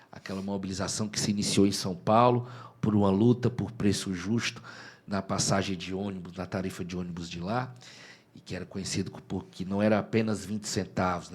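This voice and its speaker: Talking at a fairly quick pace, a man with a plain, everyday voice keeps a fairly low pitch and fairly even intonation. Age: 30s. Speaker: politician, state labour secretary. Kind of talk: interview.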